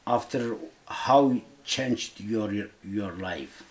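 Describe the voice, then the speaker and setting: Male interviewer, Kurdish accent, unhurried and halting, simple non-native phrasing, casual delivery. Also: lowish voice.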